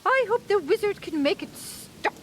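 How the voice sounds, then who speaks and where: A woman voicing a fussy, excitable storybook monarch in a puppet show, bossy and full of exclamations. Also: very high-pitched, normal speed, slight background noise. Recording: puppet show with music behind.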